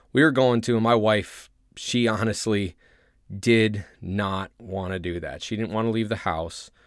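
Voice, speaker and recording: At a fairly slow pace, a man talks in a fairly low pitch with ordinary variation on a very clean recording with a silent background. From Ohio. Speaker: podcast host, soldier. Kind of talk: casual podcast monologue.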